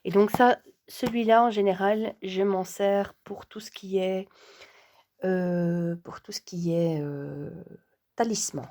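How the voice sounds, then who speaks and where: A woman's voice: medium pitch, fairly even intonation, slow pace, warm tone. A woman from Belgium, chatting casually to camera as a vlogger, hesitant and full of fillers, sometimes dropping to a whisper. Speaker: vlogger and sophrology coach.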